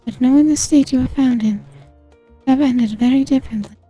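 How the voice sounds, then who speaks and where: A man's voice: extremely high pitch, a little fast, mellow, faint music behind, pitched above the performer's own voice. A man using a voice changer to voice an earnest, formal young woman scholar, reading game dialogue aloud. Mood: remorseful. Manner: formal, old-fashioned phrasing read from a game script. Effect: voice changer raising the voice.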